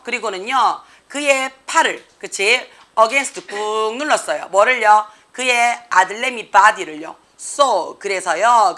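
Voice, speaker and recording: Bright-voiced woman teaching English reading. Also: fairly high pitch. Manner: constant tag questions, checking with students. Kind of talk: classroom lecture explaining a reading passage.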